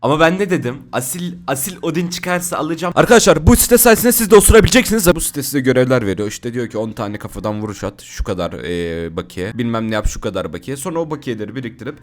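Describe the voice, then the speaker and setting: A young man casually commenting on his gameplay, talking to viewers, swearing and bursting into mock anger. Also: mid-range voice. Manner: fast, swearing, mock-angry outbursts. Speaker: gaming streamer.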